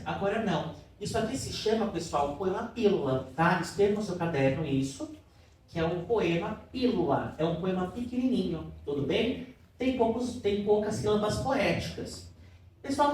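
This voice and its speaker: A man's voice: on the high side, a little mellow. A man teaching a literature class who keeps checking in with his students and asking them questions, affectionate with the class. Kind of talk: classroom lecture. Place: classroom in a cultural center. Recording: very echoey room, voice from far off, faint noise.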